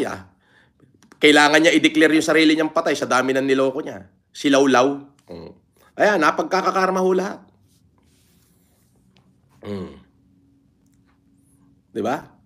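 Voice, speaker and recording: A man's voice: mid-range voice, normal speed, long pauses, sharp tone. A middle-aged man talking bluntly on a casual livestream, swearing openly and reading out viewer comments. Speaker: livestream vlogger.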